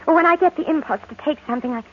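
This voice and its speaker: An actress playing a jittery, defensive young woman passenger with halting, nervous speech in an old-time radio melodrama. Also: high voice, lightly acted. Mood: ashamed, distressed. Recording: muffled, noisy old radio recording.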